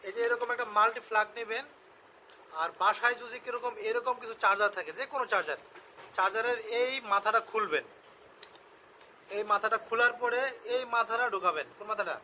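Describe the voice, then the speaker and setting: A man with a Bangladeshi accent giving a casual product demonstration and sales pitch, explaining step by step and often repeating himself. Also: brisk, bright, forceful tone, a little hiss or hum. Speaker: shop seller presenting a product on his channel.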